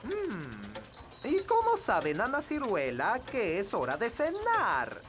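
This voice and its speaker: Slow, high-pitched wise old elf. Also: male voice, wildly swooping pitch, a bit bright, soft background music, heavily acted. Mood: puzzled. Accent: Latin American Spanish. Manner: earnest, proud, deliberate. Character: wise old male elf, earnest clock keeper. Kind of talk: children's cartoon dubbing. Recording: clicking, ticking noise behind.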